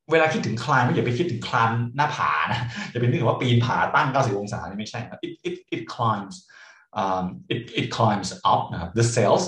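A man lecturing a class on English, explaining patiently and adding frequent polite particles. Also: mid-range voice. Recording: echoey classroom.

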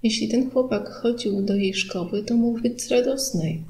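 A woman narrates an audiobook in a calm, even manner. Her mid-pitched voice has a gravelly, fry-tinged texture. A faint studio hiss stays in the background. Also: moderate pace, poor audio. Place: recording studio.

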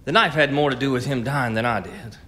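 A man's voice: medium pitch, brisk, sharp tone, lightly acted. An actor playing a hunted, stubborn frontier man in a radio drama, stammering, pleading and arguing. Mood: anxious, evasive.

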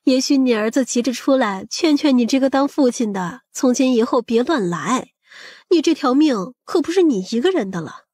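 A woman acting a shrewd, husky-voiced middle-aged mother. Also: sits high, expressive, normal speed, darkish tone, no echo, clean studio sound. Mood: scolding. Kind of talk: audiobook drama acting.

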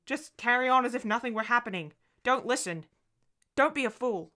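A woman's voice: fairly high pitch, lively intonation, a little fast, sharp tone, pitched above the performer's own voice. A woman voicing an anxious young mother with fraying nerves in audiobook dialogue, tense and pleading. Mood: desperate.

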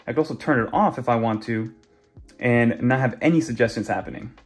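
Fast-talking young man demoing tech. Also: mid-range voice, faint music behind. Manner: chatty, conversational, many fillers. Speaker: tech YouTuber. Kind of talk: casual screen walkthrough.

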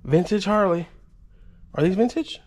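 Excitable man sorting a storage unit. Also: high-pitched, normal speed, slight background noise. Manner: excited, exclaiming over finds. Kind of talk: casual unboxing commentary.

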